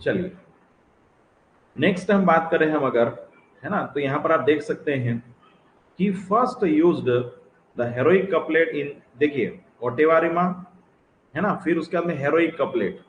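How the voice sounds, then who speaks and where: A man's voice: on the high side, animated, slow, long pauses. A man teaching literature as an exam-prep lecture, explaining step by step and often calling out to the student, mixing English phrases into his speech. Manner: mixes English phrases into Hindi. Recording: echoey room with faint noise.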